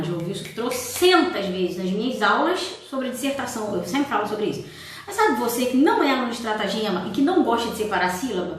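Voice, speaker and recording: A woman's voice: on the high side, fairly bright tone. A woman teaching a writing class on a casual livestream, chatty, with exasperated asides and mock quotes of her students. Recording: echoey room, distant from the mic.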